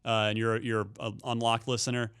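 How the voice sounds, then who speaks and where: A man's voice: mid-range voice, monotone, a little fast, a bit bright, clean tone. A man hosts a casual gaming podcast, chatting and acting out little quoted asides as he goes. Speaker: podcast host.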